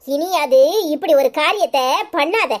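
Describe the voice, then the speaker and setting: A woman's voice: high-pitched, a little slow. A woman voicing a fierce, tearful village mother in a cartoon, with a Tirunelveli Tamil accent. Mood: worried. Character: emotional, fiery village mother. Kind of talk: cartoon voice acting.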